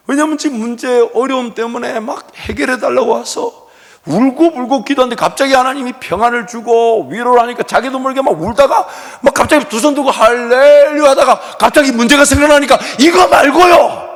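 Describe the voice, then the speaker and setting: Guy preaching, drops to a whisper then gets loud and lively, echoey church hall. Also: very high voice, gravelly. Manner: swings from soft whispered prayer to loud animated storytelling. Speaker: pastor. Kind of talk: sermon. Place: church sanctuary.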